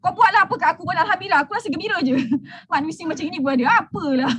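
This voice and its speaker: High-voiced brash Malaysian woman mentor. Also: rapid-fire. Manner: brash, teasing, preachy, laughs often. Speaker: business mentor. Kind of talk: motivational talk to a group.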